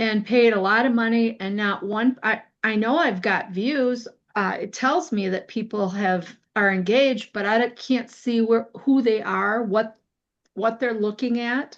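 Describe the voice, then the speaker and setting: A woman has an ordinary speaking voice with fairly high pitch and ordinary pitch variation. She speaks at a fairly slow pace against a quiet background. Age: 60s. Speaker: real estate agent. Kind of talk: class discussion.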